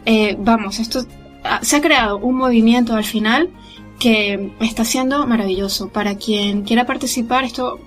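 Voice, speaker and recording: Woman w/ a higher voice, lots of ums, chatty recorded message, faint music under it. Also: normal speed. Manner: warm, hesitant, many fillers. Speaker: podcast group organizer.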